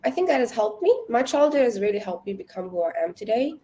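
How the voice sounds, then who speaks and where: South African woman, 20s, warm mellow tone, relaxed talkative interview guest. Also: a little high, fast talker. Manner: chatty, laughs easily, many fillers. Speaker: guest, language tutor. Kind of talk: casual conversational interview.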